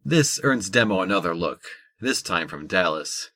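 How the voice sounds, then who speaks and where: A man playing a wry storyteller, narrating a scripted audio drama in a measured way. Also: low-pitched, sing-song, sharp tone, heavily acted.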